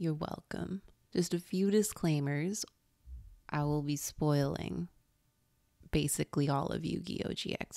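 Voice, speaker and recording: Soft-spoken and dark, mellow in tone, a woman speaks with a very deep, low pitch at a fairly slow pace. The sound is dry with no echo, and the background is quiet. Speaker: anime video essayist. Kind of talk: unscripted video essay. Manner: hushed, soft-spoken. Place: home room. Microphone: handheld.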